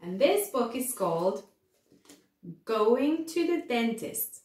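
A woman in her thirties reading a children's story aloud in a deliberate, animated way to young listeners. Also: on the high side. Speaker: storybook reader. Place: small room indoors. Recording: echoey room.

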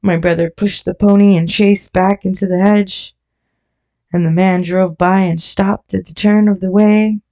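Slow, gravelly woman narrator. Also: mid-range voice, fairly even intonation, mellow. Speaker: audiobook narrator. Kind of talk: scripted narration. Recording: dull lo-fi audio.

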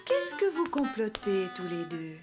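A woman playing a loving, gentle mother in a French children's cartoon, expressive and affectionate. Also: medium pitch, a little slow. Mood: curious. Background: background music.

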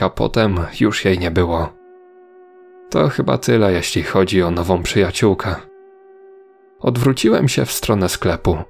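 A man reading a scripted first-person horror story as its narrator, with a creaky, gravelly voice. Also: sits low, a little mellow.

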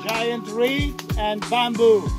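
An older man guiding a walk outdoors, explaining plants and sights in halting, playful English. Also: extremely high pitch, fairly even intonation, music in the background. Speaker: tour guide. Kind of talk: guided walk commentary. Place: outdoors on a mountain path.

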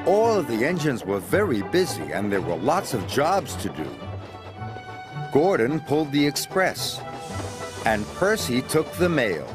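An older man with an American accent narrating a children's story in a warm, expressive storybook manner. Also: medium pitch, unhurried. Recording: narration with music underneath. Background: music.

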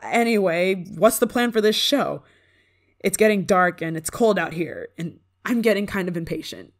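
A woman playing a haughty young pop star who is prickly but secretly soft, in an ASMR roleplay, bragging and easily flustered. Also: mid-range voice, moderate pace, lightly acted. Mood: haughty, impatient. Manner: tsundere: bragging and dismissive, flustered stammering when touched. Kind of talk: ASMR roleplay acting, one-sided dialogue.

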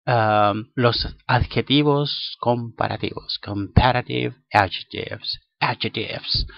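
A man's voice: medium pitch, slow pace, vocal fry, dry recording. A man whose first language is Spanish, teaching an English grammar lesson in a playful way, repeating words aloud to drill pronunciation. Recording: dull lo-fi recording.

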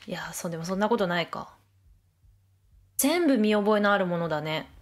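A woman's voice: mid-range voice, lively intonation, fairly quick. A young woman giving Let's Play commentary, chatting to herself as she plays, often laughing and reacting with surprise. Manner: chatty self-talk, frequent laughter and surprised exclamations. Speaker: game streamer.

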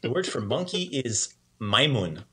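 A man teaching a casual language lesson in an upbeat, chatty way, repeating words slowly for learners. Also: mid-range voice, very animated, sharp tone.

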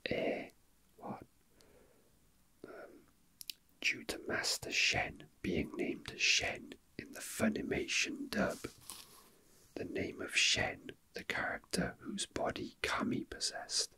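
A young man whispering softly and breathily in an unhurried, halting ASMR murmur, as if casually commenting while his hands are busy. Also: no room sound. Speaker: ASMR video host. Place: indoors at a tabletop.

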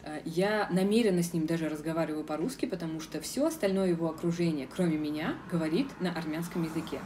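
A woman's voice: low-pitched, quick pace, warm tone, recorded from a distance, a little hiss or hum. A young woman from Russia answering viewers' questions in a casual vlog, frank and firm, with many hesitation sounds. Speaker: vlogger. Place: outdoors in a city square.

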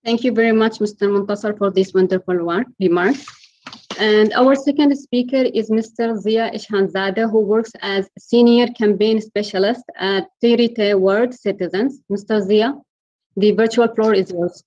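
A woman hosts the ceremony and introduces each speaker in a formal, measured tone. The sound is very dry and dull, like lo-fi audio with no room at all. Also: medium pitch, fairly even intonation, a little mellow, no room sound. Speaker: host. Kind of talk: moderating an online ceremony.

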